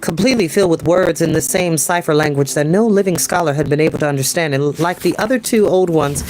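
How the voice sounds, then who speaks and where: A young adult man with a voice on the high side hosts a storytime, reading a book aloud and chiming in with casual, excited slang. It's a rough recording from a small home room with a desk and bookshelves.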